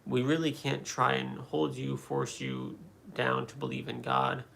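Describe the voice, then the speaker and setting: A man's voice: medium pitch, lively intonation, measured pace, gravelly, a bit bright, a little hiss or hum. A man hosting a livestream, chatting casually and answering comments, rambling with many fillers and restarts. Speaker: livestream host answering chat.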